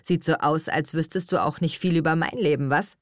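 A woman's voice: low-pitched, brisk, dry recording, studio quality, lightly acted. A woman reading an audiobook, playing a cocky young man who speaks in a sarcastic, teasing way. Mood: mocking.

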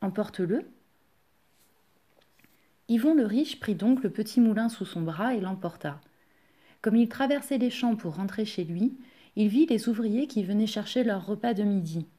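A woman from a library reading a fairy tale aloud, expressive and speaking to young listeners. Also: medium pitch, normal speed. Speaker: library storyteller.

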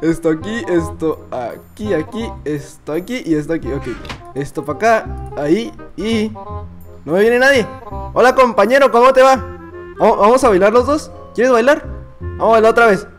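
A man playing an excitable Mexican little boy. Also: sits high, normal speed, soft background music. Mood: playful. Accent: Mexican Spanish. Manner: childish, excitable, chattering to himself. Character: boastful, naive little boy gamer. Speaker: gamer. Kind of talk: comedic gameplay commentary.

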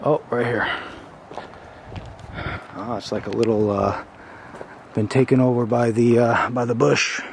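A man in his thirties hosts an informal exploring vlog with a mid-pitched voice. He talks haltingly, thinking aloud as he walks. The handheld camera audio carries a light layer of ambient noise. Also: fairly even intonation, gravelly. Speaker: host exploring abandoned places. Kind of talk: casual exploration vlog, narrating as he goes. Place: outdoors and inside derelict buildings, walking. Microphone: handheld camera at arm's length.

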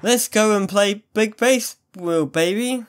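A man playing an affectionate, playful young boyfriend on a date in an ASMR-style audio roleplay, doting and easily excited. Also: sits high, slow pace. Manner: doting, pet names, mock sports commentary.

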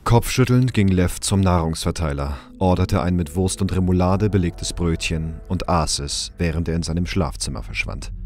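A man narrating a sci-fi crime audio drama in a measured, serious, scripted storytelling style. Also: sits low, darkish tone, close to an everyday voice. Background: music.

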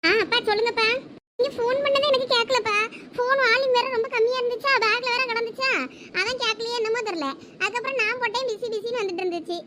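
A frightened young college student pleads and frets, acted by a woman. Her voice is very high and carries a constant anxious edge. Faint noise sits behind it. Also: fairly even intonation, fast. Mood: pleading. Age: young adult. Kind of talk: village comedy skit acting.

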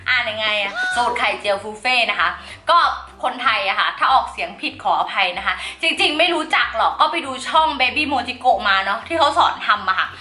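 A woman's voice: on the high side, expressive, fairly quick, hardly any pauses, pushed and bright. A woman hosting a chatty craft tutorial, bubbly and polite, talking straight to her viewers. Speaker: slime-making channel host.

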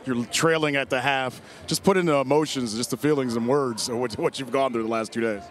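A man's voice: mid-range voice, brisk. A middle-aged American man interviewing as a sideline sports reporter after a game, on a handheld mic in an arena. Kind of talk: postgame TV interview. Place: on the court of a large indoor arena. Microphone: handheld reporter microphone.

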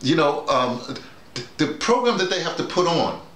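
A workshop leader who teaches radio drama, middle-aged or older, talks to colleagues in a fairly high, very animated, somewhat bright voice. His casual explanation is emphatic and teacher-like, full of halts and repeated words, recorded while he sits in a small, bare room with echo.

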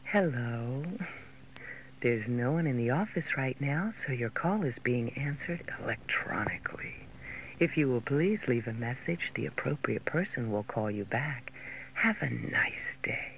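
Man as creaky, whispery seductive secretary. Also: mid-range voice, animated, a little slow, fairly bright tone, low-quality recording. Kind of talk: scripted answering machine greeting. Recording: hum on old cassette.

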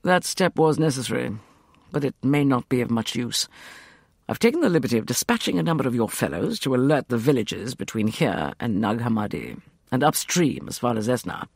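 A suave, sardonic schemer , voiced by a male reader, drawls in a low, unhurried way. His tone has a gravelly texture and a husky grain. It is read close to the mic in a dry space. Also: very animated, no echo. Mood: drawling. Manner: irritating drawl. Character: suave, sardonic middle-aged gentleman schemer.

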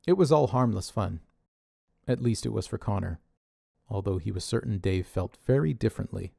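A man's voice: on the low side, expressive, moderate pace, vocal fry, mellow, slightly rough, dry recording. A man narrating a scripted audio drama with dry, wry humor. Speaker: narrator and writer.

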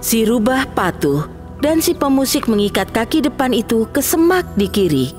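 A woman narrating a children's storybook cartoon with clear, expressive delivery. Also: a little high, moderate pace, over music.

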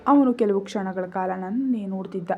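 A woman's voice: medium pitch, fairly quick, slightly rough, dull audio. A woman narrating a first-person romance story in an emotional, intimate storytelling manner.

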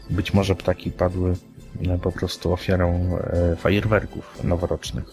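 Guy hosting a podcast, low voice, bit halting, music playing behind him. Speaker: podcast host. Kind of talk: podcast talk on paranormal news. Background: music playing under the voice.

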